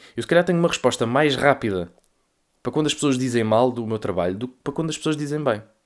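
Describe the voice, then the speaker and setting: A man races along at a very fast pace with lively intonation, the recording very clean and the background silent. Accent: European Portuguese. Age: 20s. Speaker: podcaster. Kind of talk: casual monologue.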